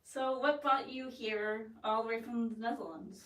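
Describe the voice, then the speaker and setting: A woman hosting an interview, asking brisk, friendly questions. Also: fairly high pitch, fairly even intonation, fairly bright tone. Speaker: host. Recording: roomy, distant from the mic.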